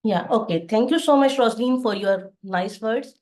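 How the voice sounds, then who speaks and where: Middle-aged woman from pakistan teaching on a video call, bit high voice, lots of uh pauses. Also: darkish tone. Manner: careful, plain explaining with frequent "uh" pauses. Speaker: assistant professor giving a webinar lecture. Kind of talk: online lecture. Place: home study with bookshelves behind.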